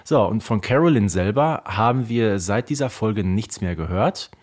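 A man's voice: fairly low pitch, animated, moderate pace, darkish tone, breathy edge. German man in knowledgeable podcast talk. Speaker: podcast co-host or guest. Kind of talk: casual podcast discussion of audio plays.

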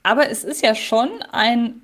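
A woman's voice: a little high, fairly even intonation, normal speed, fairly bright tone. A woman co-hosting a podcast in casual chat, thoughtful and often restarting her sentences. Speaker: podcast co-host.

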